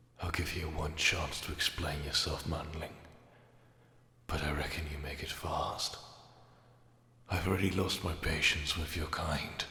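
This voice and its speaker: In a put-on character voice, a man speaks very deep and low with a raspy sound. His pace is moderate, and there is slight echo. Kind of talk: ASMR roleplay. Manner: stern at first, then calm and gentle.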